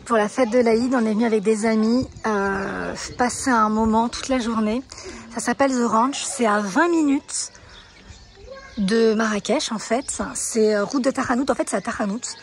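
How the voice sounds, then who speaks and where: A woman's voice: a little high, moderate pace. A woman vlogging casually to camera, chatty and enthusiastic, gushing over what she shows. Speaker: lifestyle vlogger. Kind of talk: casual vlog chat to camera. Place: outdoors at a countryside ranch. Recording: roomy echo, faint ambient noise.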